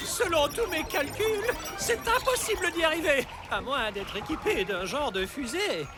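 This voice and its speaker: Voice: high-pitched, expressive, measured pace, over music. An actor voicing a fussy, anxious know-it-all little robot with a fretful manner in a French cartoon.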